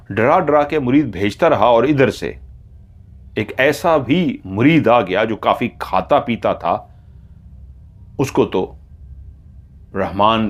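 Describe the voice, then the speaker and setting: Male horror storyteller, lowish voice, dramatic scripted narration.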